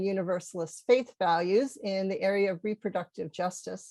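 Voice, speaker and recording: Heard against a quiet background, a woman speaks at a moderate pace and a medium pitch. Her tone is dark and mellow with fairly even intonation, and the sound is dry and close, with no echo. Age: 60s. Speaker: Unitarian Universalist practical theologian. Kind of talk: panel presentation. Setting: video call.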